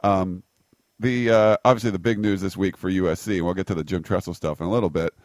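A man hosting a sports talk show, quick and friendly, steering the chat. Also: low-pitched, fairly even intonation, no room sound. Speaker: sports radio host. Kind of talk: casual radio chat.

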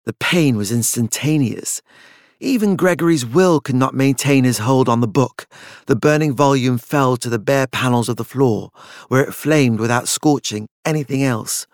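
An audiobook narrator reads a scripted literary story with measured drama, his voice at an average male pitch. The recording is dry and intimate, with no room sound or echo.

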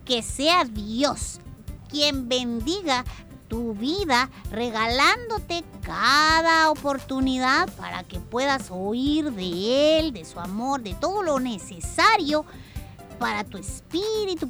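A woman co-hosting a Christian children's radio program, speaking to young listeners in a lively, caring way. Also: high voice, slow pace, over music. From El Salvador. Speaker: children's radio show co-host.

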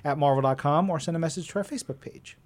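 A man's voice: on the high side, quick pace. Casual male podcast co-host.

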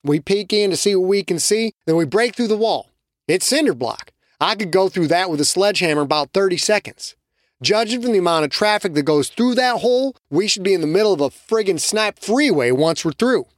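Storybook role: narrator voicing a cool, commanding cowboy hunter, close dry sound. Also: male voice, high voice, a little fast, no room sound, pitched above the performer's own voice. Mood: planning. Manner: calm, commanding, drawling. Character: cold, authoritative cowboy hunter man.

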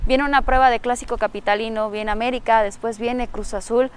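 A woman's voice: a little high, fairly even intonation, a little fast, smooth. A woman reporter asking a footballer direct questions. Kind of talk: interview questions.

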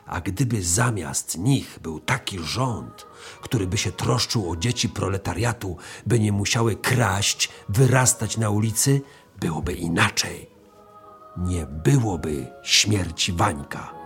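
An actor playing a stern, embittered socialist miner in a radio play, preaching emphatically. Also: male voice, low voice, lively intonation, slow, fairly bright tone, faint music behind, heavily acted. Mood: bitter, solemn.

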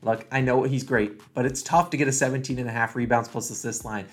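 Fast-talking American man hyping confident betting picks. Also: mid-range voice, fairly even intonation. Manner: fast, confident tipster hype. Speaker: sports betting tipster, channel host. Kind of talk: sports picks video commentary.

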